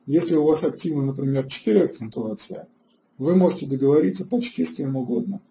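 A man hosting an online webinar lecture, halting with filler sounds and restarts, and answering chat questions between points. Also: on the high side, vocal fry, dark tone, highs cut off, slight background noise. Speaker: webinar host.

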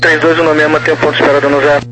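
Male air traffic controller, over a two-way radio, fairly high voice, measured formal phrasing, heavy static hiss. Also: level tone. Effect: heard over a two-way radio. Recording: noisy radio transmission.

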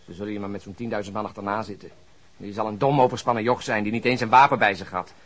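A man's voice: lowish voice, steady tone, fast, natural voice. A man playing a police detective with a conscience in a radio play, ironic and impassioned in his way of talking. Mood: indignant. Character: indignant, compassionate, cynical-humoured male police detective with a conscience.

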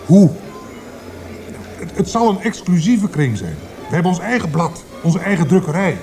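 A zealous poet declaims in a radio play. His slightly high voice swings widely and solemnly, like a would-be leader of a movement, with music behind him. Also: very animated, moderate pace, a little mellow. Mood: urgent, persuasive. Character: fervent male poet, zealous would-be leader of language purists. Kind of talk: radio drama acting.

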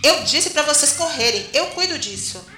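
A woman's voice: sits high, expressive, normal speed, pushed and bright. A woman playing a brave young rebel soldier in an audio drama, earnest, urgent and pleading. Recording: echoey, faint music behind.

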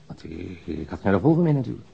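Gravelly, muffled confessed killer. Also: male voice, deep voice, sing-song, exaggerated voice. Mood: hesitant, frank. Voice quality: gravelly, husky. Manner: halting, matter-of-fact, frank. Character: subdued working-class man confessing to a killing. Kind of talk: naturalistic radio drama acting. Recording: dull, muffled lo-fi sound.

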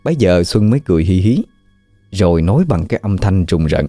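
A man with a Southern Vietnamese accent narrating a ghost story in a measured way. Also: low-pitched, animated, warm tone, dry recording. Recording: dry close mic with faint music.

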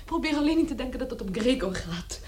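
A young sister at the end of her patience in a radio drama. Her voice is high and earnest, full of distress, with faint clicks and noise behind it. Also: expressive, fast talker, a little mellow. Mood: desperate. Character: desperate, hardened young sister pleading with her parents. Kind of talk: radio play acting.

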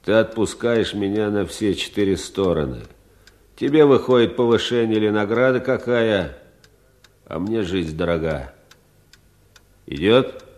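A sly, insolent bandit from a radio drama. The voice is on the low side and takes its time over each phrase, mocking and familiar. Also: male voice, expressive, a little slow, pauses often, a little mellow. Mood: sly bargaining. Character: sly, insolent captured bandit bargaining for his life. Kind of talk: Russian radio drama acting.

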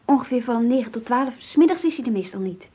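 A woman's voice: a little high, animated, quick pace, warm tone, slightly rough. An actress playing an eager, curious young Jewish secretary who reads her diary in a Dutch radio play. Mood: polite, curious. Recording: dull, muffled old radio recording.

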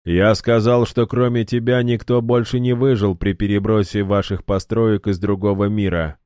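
A man voicing a created guardian who answers in a cold, flat, terse way. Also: on the low side, moderate pace, no room sound, clean studio sound, pitched above the performer's own voice, lightly acted. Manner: cold, flat, sparing with words.

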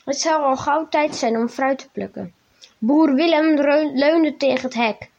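A woman narrates a storybook in a steady, measured read-aloud manner. Her voice sits high. The recording is dull and lo-fi. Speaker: podcast host and story reader. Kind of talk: storybook reading.

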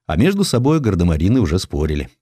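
A man with a low voice narrates historical prose in a scripted, dramatized style. His pitch moves in wide, animated arcs as he tells the story expressively. The sound is dry, with no room around it. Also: fast talker, breathy edge, no room sound. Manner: expressive storytelling, acting out quoted lines. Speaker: audiobook narrator.

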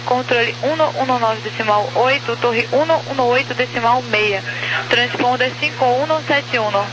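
A Brazilian woman working as an air traffic controller, reading out flight clearances over aviation radio. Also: fairly high pitch, normal speed. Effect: aviation radio transmission.

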